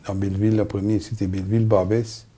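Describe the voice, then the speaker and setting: A man's voice: lowish voice, level tone, fast talker, dark tone. An older man from Mauritius, a company founder, answering interview questions in short plain sentences.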